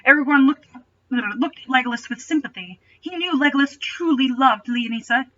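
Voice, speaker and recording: A woman with a high-sitting, sharp voice reads a story dramatically at a moderate pace, playing commentator with sardonic, playful asides. Her dull, distant home microphone carries slight background noise.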